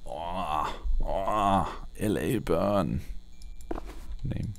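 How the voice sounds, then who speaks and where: A man's voice: deep voice, extremely slow, vocal fry, background noise. A man giving casual roleplay gameplay commentary, muttering his thoughts aloud in fragments. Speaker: let's player. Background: game ambience.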